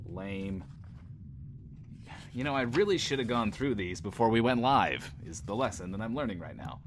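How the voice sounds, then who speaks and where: A man's voice: fairly low pitch, lively intonation, normal speed, a little hiss or hum. An actor playing a brash, self-loving radio DJ in a post-apocalyptic audio drama, with theatrical, wry showman patter. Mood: bored, muttering. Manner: smug, theatrical, wry, refers to himself by name. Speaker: radio host. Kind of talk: in-world radio show monologue, showman patter.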